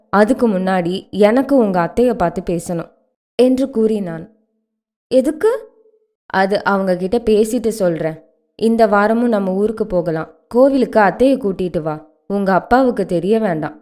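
A woman narrating a romance novel aloud, reading the dialogue with feeling and the narration calmly. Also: medium pitch, moderate pace. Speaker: audiobook narrator.

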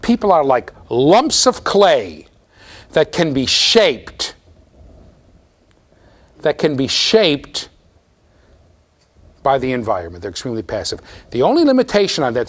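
A man with a low voice giving a classroom lecture, talking straight to the students in a lively, conversational way. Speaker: university lecturer.

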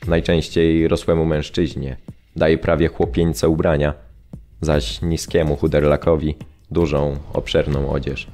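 An actor reading as a Polish camp prisoner recounting camp life in an audio drama, sombre, measured and restrained. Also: male voice, very deep voice, little pitch movement, mellow. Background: music.

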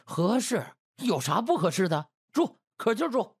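Man playing an animated, ingratiating butler. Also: high voice, moderate pace, breathy edge, pitched above the performer's own voice, full character voice. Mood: breezy, insistent. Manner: hesitant, stammering, ingratiating. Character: obliging, evasive male household butler, eager to please.

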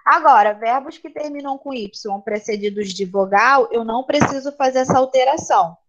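An English teacher with a Brazilian Portuguese accent explains grammar to her class at a moderate pace, often pausing to check that students follow. Her voice sits fairly high, and the slightly dull, lo-fi audio sounds like a computer mic in an online class.

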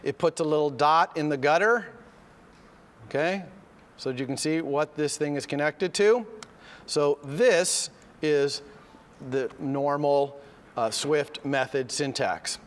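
A man with a slightly hoarse voice from a cold, teaching a live coding lecture step by step and often checking in with "okay?". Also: fairly high pitch, slow. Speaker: university lecturer. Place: lecture hall. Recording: lecture hall with long reverb.

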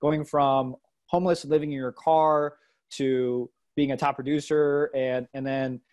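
A man's voice: mid-range voice, fairly even intonation, a little slow, a little mellow. A man in his forties asking a guest a question eagerly on a video call, stumbling and repeating words, recorded on earbuds in an indoor room. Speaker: co-interviewer. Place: indoor room with plain wall.

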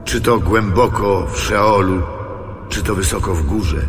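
A man's voice: sits low, measured pace. An actor playing God as a commanding divine male voice in a biblical radio drama. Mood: solemn, commanding. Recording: long reverberant echo under music.

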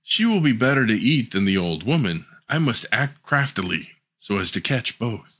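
A man voicing a cunning male wolf in a fairy-tale reading, with a smooth, coaxing manner. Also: mid-range voice, sing-song, normal speed, fairly bright tone. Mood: sly.

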